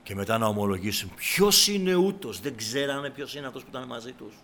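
A man preaching a sermon to his congregation, breaking into loud cries and then dropping back to a low, quiet voice. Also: expressive, slight background noise. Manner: shouts in bursts, then drops to a low, quiet tone; addresses the congregation as brothers.

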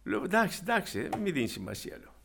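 A man preaching a sermon, swinging between loud exhortation and soft, low asides as he retells anecdotes to his congregation. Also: big pitch swings, vocal fry, background noise.

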